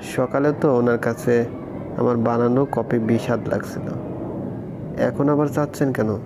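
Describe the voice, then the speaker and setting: A man hosting and narrating a romance audio story in a steady, even reading. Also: mid-range voice, measured pace, noisy background. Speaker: story narrator, channel host.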